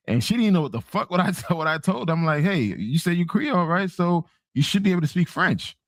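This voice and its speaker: A man's voice: high-pitched, animated, brisk, no echo. A man from Haiti telling a story in a casual online panel chat, laughing as he goes.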